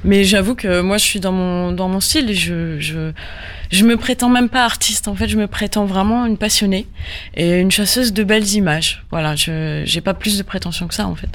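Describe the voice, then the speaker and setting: A woman from Normandy answers questions as a guest on a radio interview. She talks in a halting way, full of fillers and restarts, as she feels her way through each thought. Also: mid-range voice, steady tone. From Normandy, France. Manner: hesitant, many fillers and restarts. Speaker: guest photographer.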